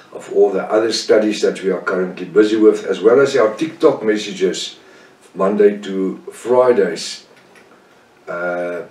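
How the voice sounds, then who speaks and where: An older man from South Africa with an Afrikaans-tinged accent, leading a Bible study with slow, deliberate delivery, pausing on fillers and correcting himself. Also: on the low side, a little mellow, roomy sound, distant mic. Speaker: Bible teacher.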